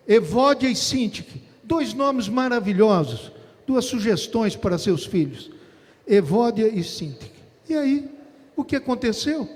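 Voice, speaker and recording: A Brazilian pastor preaching a sermon in a large church, with quiet joking asides and rhetorical questions that build to shouted climaxes. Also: male voice, high voice. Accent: Brazilian Portuguese. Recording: echoey church hall.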